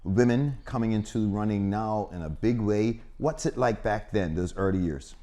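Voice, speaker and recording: Low-voiced man hosting an interview. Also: dark tone. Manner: friendly, prompting questions, quick to laugh. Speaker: sports show host.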